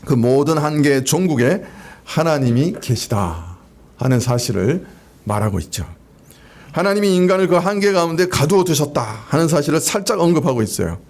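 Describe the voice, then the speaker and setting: A man preaches a Sunday sermon from a church pulpit. His voice sits high for a man. He speaks conversationally and keeps turning to the congregation with rhetorical questions. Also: darkish tone. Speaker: pastor. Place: church sanctuary.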